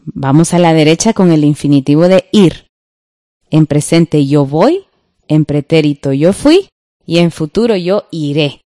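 A woman with a Guatemalan Spanish accent explains verb conjugations from a textbook, speaking slowly and carefully. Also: fairly low pitch, a little mellow, no room sound, studio quality. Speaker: teacher. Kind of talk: textbook grammar lesson.

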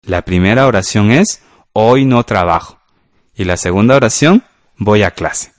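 A man's voice: on the low side, unhurried, dry recording, studio quality. A man teaching a grammar lesson for radio class, patiently walking through exercises step by step.

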